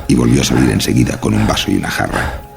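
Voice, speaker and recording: Extremely deep, gravelly male narrator. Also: expressive, soft background music. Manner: measured, suspenseful, dramatic. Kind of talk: scripted horror story narration.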